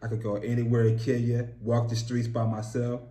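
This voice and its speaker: An American man talking casually as an interview guest, candid and relaxed, often saying "you know what I mean". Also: mid-range voice, a little fast. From United States. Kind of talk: casual conversation. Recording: echoey room.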